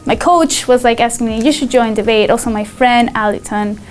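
A woman's voice: fairly high pitch, a little fast, faint music behind. A teenage girl from Mexico, a student debater, talking casually and hesitantly with many "like" fillers; Spanish is her first language. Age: teens. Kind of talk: casual interview answers.

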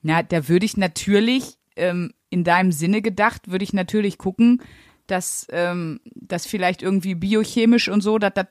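A woman co-hosting a podcast in casual chat, telling stories with blunt, crude humor. Her voice sits at an ordinary middle pitch. The sound is dry and close, with no room echo. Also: moderate pace. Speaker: podcast co-host.

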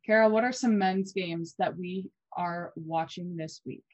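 A woman in her twenties co-hosting a college basketball podcast, chatty and quick with fillers and restarts. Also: lowish voice, a little mellow, dry recording, lo-fi sound. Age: 20s. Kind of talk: casual sports podcast chat.

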